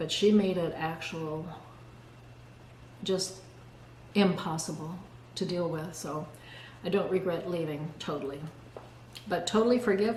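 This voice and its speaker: Audible room echo surrounds a woman with a fairly low pitch. She moves at a moderate pace with long, frequent pauses. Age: 70s. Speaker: vlogger. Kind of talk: casual chat. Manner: halting.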